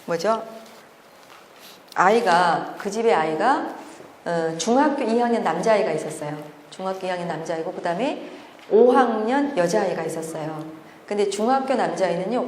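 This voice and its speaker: A middle-aged woman giving a public lecture to parents, telling a story in a lively way and asking the audience questions. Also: medium pitch, slight background noise. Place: lecture hall. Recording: echoey hall, faint ambience.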